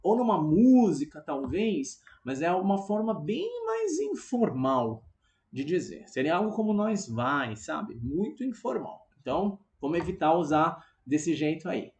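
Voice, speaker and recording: A teacher with a Brazilian Portuguese accent giving an online English lesson, drilling example sentences slowly and often checking in with the class. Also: mid-range voice, very animated, a little mellow.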